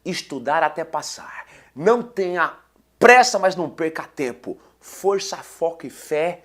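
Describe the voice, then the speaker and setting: Lively, nasal male teacher with a cold. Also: on the high side, unhurried. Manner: lively, chatty, addresses students as "gente". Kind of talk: exam-prep lecture.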